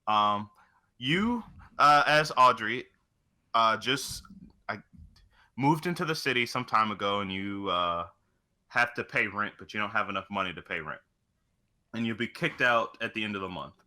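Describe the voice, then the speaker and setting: A low-pitched man with a very bright, forceful voice, chatting loosely as a podcast co-host. He rambles through casual game talk and swears heavily. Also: animated, normal speed, long pauses. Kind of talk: casual chat about video games.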